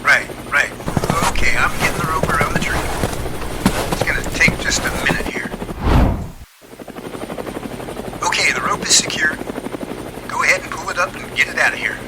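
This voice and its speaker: A man's voice: a little high, brisk, close to an everyday voice. A man playing an emotional helicopter rescue crewman on a rope in an amateur audio drama, talkative and earnest. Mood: strained, focused. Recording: loud helicopter and engine noise.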